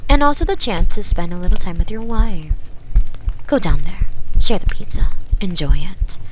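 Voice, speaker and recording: A woman voicing a sinister, manipulative seer, speaking calmly and slowly with a soft, partly whispered voice into a binaural mic. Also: fairly low pitch, a little hiss or hum, poor audio. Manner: calm, slow and coolly menacing.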